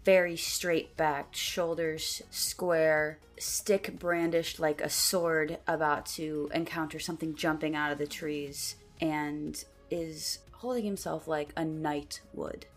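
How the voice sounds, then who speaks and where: A woman game master narrating a tabletop game in a relaxed, descriptive way. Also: deep voice, takes it slowly, few pauses, soft background music.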